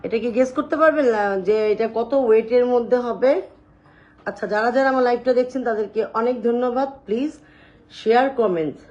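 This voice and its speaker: A woman hosting a live sales stream, showing jewelry and talking loudly and chattily to her viewers. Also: a little high, quick pace, highs cut off. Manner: loud, chatty, addresses viewers directly.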